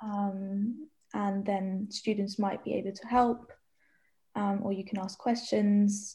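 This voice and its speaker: A woman's very slow, somewhat breathy voice, medium in pitch, dark and mellow in tone, with monotone, flat intonation. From Germany. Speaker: university student. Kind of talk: casual chat.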